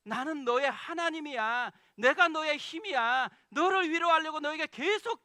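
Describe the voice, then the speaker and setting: A man's voice: extremely high pitch, expressive, moderate pace, pushed and bright, dry recording, studio quality, pitched above the performer's own voice, exaggerated voice. A man preaching, voicing God as a tender, reassuring divine presence who insists he is near. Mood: tender, urgent.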